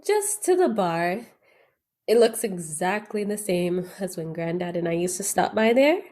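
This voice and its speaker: A woman playing a wistful, gently probing adult granddaughter in a naturalistic audio drama. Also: lowish voice, very animated, measured pace.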